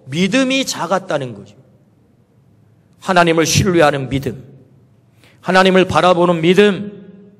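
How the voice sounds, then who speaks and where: A man's voice: high voice, a bit bright. A male pastor preaching a sermon, asking many rhetorical questions and quoting Jesus in a personal, spoken manner. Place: church sanctuary. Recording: reverberant church hall.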